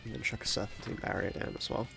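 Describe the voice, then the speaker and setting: A young man streaming a video game while ill with a cold, sounding nasal and stuffy, talking quietly with low energy and chuckling now and then. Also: quick pace, soft background music. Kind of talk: casual live-stream chat while playing.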